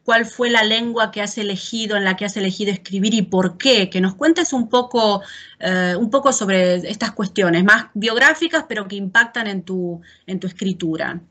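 A university lecturer hosts an interview over a webcam call, speaking with articulate enthusiasm as she introduces her guest and sets up her questions. Her voice is bright and forward, with a pitch in the middle range. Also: moderate pace. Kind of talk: academic interview hosting. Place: home room. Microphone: video call webcam.

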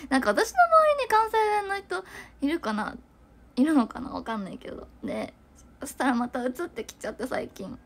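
A woman's voice: on the high side, fairly bright tone. A young woman chatting casually to viewers on a livestream, giggling and rambling with lots of fillers. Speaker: idol livestreamer.

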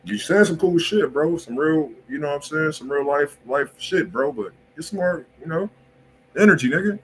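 A man's voice: a little high, animated, normal speed. American man hosting, noisy livestream. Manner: slangy, profane, repetitive catchphrases. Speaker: music review show host. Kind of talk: casual chat, live music feedback. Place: indoor room, livestream.

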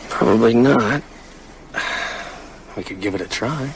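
A man's voice: medium pitch, unhurried, gravelly, slight background noise, rough recording. An actor playing a haunted, reflective male novelist in a radio drama, talking hesitantly as he confides. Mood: relaxed, intimate. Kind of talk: naturalistic radio drama dialogue.

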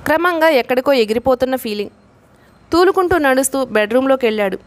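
A woman reading a novel aloud as an audiobook narrator, in a steady storytelling delivery. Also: a little high.

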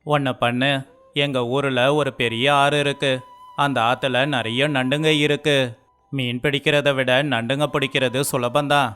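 A man speaks all the male parts of an animated story in a clean, smooth voice. He keeps a narrow, even pitch while scolding or pleading. Light music runs under the dialogue. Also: moderate pace. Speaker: voice actor for all male characters.

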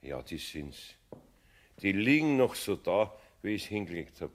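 An actor playing a kindly middle-aged Bavarian carpenter in a radio play, muttering to himself and bursting into exclamations. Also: male voice, sits low, big pitch swings, unhurried, full character voice. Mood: distracted, downcast.

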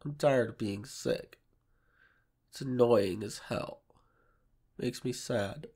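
A man voicing a shy, submissive, sick young boyfriend in an ASMR audio roleplay, congested and soft, with hesitant, pleading delivery. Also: medium pitch, slow pace, breathy edge. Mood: tired, obedient. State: sick, sore throat, stuffy nose.

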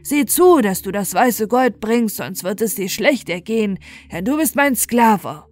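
A woman's voice: medium pitch, expressive, a little slow, dry recording. A woman voicing a menacing old male sorcerer in a fairy tale, commanding and threatening with heavy emphasis. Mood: stern, threatening.

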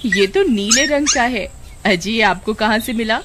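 Lady playing a soft young village wife, emotional, loud background hiss, cartoon voice. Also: fairly high pitch, expressive, moderate pace, close to an everyday voice. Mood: delighted. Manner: emotional, sobbing pleas. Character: tender young village wife, devoted to her puppy.

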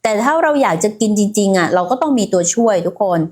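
A woman's voice: mid-range voice, expressive, fast, a little mellow. Woman doing a chatty health livestream, lots of fillers, talks right to her viewers. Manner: chatty, many fillers, addresses viewers directly. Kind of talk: casual livestream health talk.

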